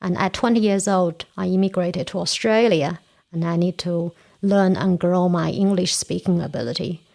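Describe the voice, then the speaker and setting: On the low side and darkish in tone, with vocal fry, her voice moves at a normal speed. The woman, in her forties, from China, and a first-language Korean speaker, is a Toastmasters area director on a podcast, earnestly explaining things step by step in a casual chat.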